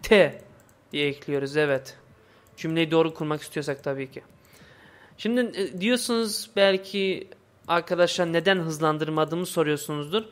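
A man with a slightly high voice hosts a casual gaming video. His Turkish is imperfect and halting, with word forms that come out muddled, as he comments on his play. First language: not Turkish, speaks imperfect Turkish.

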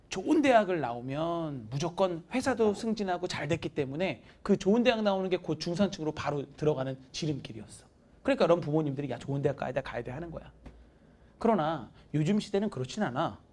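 Woman teacher, animated pep talk to students, lots of pitch movement, mimics others. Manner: lively, acts out quoted voices, talks down-to-earth to students. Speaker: math teacher.

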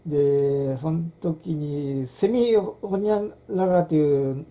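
A woman's voice: deep voice, slow, dark tone. A middle-aged woman, hosting a casual handwriting lesson and rambling with many fillers and restarts. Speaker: channel host.

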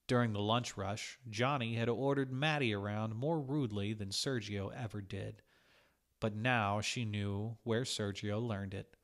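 Low-pitched man reading a story aloud. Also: fairly bright tone. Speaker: audiobook reader. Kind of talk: scripted short story narration.

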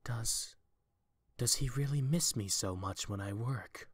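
A man playing a proud, troubled businessman in a fan audio drama, speaking earnestly and haltingly. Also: medium pitch, slightly rough, dry recording, studio quality. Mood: wistful. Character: troubled proud businessman, anxious for his brother.

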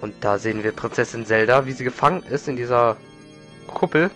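Male let's player, mid-pitched, slightly stuffed up from a cold, informal rambling commentary over game music. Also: fairly quick, a bit bright. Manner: informal, rambling, repeats words. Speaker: let's play host. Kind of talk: casual video game commentary. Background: video game music.

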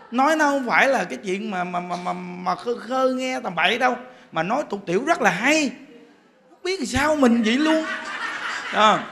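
Male monk, Southern Vietnamese accent, high-pitched, humorous storytelling sermon, repeats words. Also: creaky, pushed and bright, slight background noise. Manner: joking, chatty, repeats words while building a point. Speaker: Buddhist monk.

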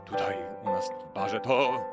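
A man's voice: lowish voice, unhurried, lightly acted. A man playing a flustered, obliging beach-bar boss who stammers hesitantly in an improvised children's radio play. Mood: flustered, deferential. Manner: stammering, hesitant, eager to please. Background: piano music.

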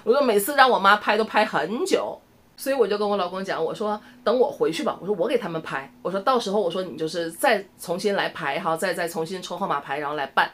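Fast-talking Northeastern Mandarin woman vlogger. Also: mid-range voice. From Shenyang, northeast China. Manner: chatty, animated storytelling with lots of "哈" tags. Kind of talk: casual chat to camera.

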